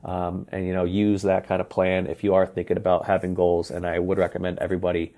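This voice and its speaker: A man's voice: sits low, quick pace. A young man, a hockey coach hosting a podcast, talking casually with many fillers. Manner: relaxed, rambling, many fillers. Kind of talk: casual solo podcast talk.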